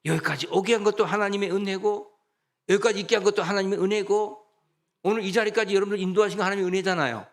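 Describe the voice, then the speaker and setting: A man preaching a sermon as pastor, animated and conversational, asking his congregation rhetorical questions. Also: high voice, fast talker. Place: church sanctuary.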